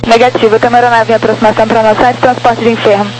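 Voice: mid-range voice, flat delivery, racing. A tower controller with a Brazilian accent giving procedural instructions over a crackly aviation radio. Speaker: air traffic tower controller. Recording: crackly humming radio transmission.

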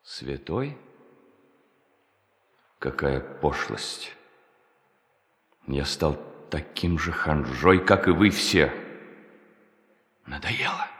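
An actor playing a tormented, self-loathing hermit preacher in a radio drama, declaiming theatrically and repeating words for emphasis. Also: male voice, very deep voice, lively intonation, drawn-out words, long pauses, fairly bright tone, exaggerated voice. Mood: agitated, contemptuous. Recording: music behind the voice.

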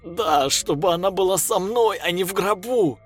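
A young man driven to desperation and grief, as a male narrator plays him. His voice rides higher than the narrator's own, husky and urgent, with wide swings in pitch. Soft music plays beneath. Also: lively intonation, unhurried. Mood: anguished. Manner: urgent, pleading, shouting.

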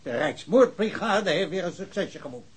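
An actor playing an indignant, argumentative policeman with a husky voice in a radio drama. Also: sits high, animated, normal speed, full character voice. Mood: indignant, reproachful. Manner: argumentative, reproachful. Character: indignant local policeman, convinced the case is closed.

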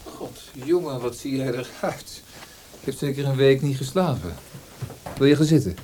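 An actor playing an earnest, self-deprecating young poet in a radio play. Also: male voice, mid-range voice, moderate pace, warm tone, a little hiss or hum, lightly acted. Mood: puzzled, concerned. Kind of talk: Dutch radio play acting.

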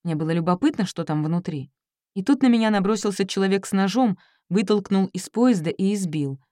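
A woman narrator voicing a reserved seventeen-year-old Japanese youth who gives quiet, clipped answers under questioning. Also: medium pitch, lively intonation, brisk, no room sound, clean studio sound, close to an everyday voice. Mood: guarded.

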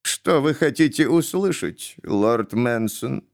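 A man voicing a calm, formal, blind old noblewoman in a story. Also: mid-range voice, takes it slowly, vocal fry. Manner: composed, formal.

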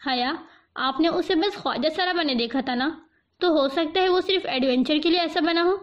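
A woman voicing a confident young woman friend who speaks boldly and reassuringly, on a dull lo-fi recording. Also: very high-pitched. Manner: bold, reassuring.

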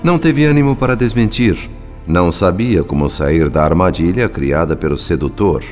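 A man's voice: low-pitched, lively intonation, moderate pace, darkish tone, soft background music. A man with a Brazilian accent narrating a radio drama in a scripted, literary style. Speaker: story narrator.

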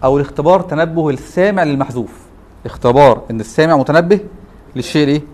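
A male teacher races through a classroom lecture, his slightly high voice a little mellow. He has an Egyptian Arabic accent and keeps prodding students with rhetorical questions.

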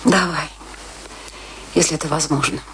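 An actress playing a middle-aged, resigned and bitter long-married wife, speaking curtly in a Russian radio play. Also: female voice, low-pitched, steady tone, normal speed, slight background noise, natural voice. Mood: weary. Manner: resigned, curt, weary. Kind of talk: Russian radio play acting, dramatic dialogue.

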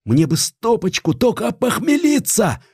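A man voicing a pleading tippling tailor, whining in a high-pitched voice for an audiobook drama. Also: very animated, normal speed, a little mellow, husky, no echo, clean studio sound, heavily acted. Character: pleading tippling tailor begging for a small drink.

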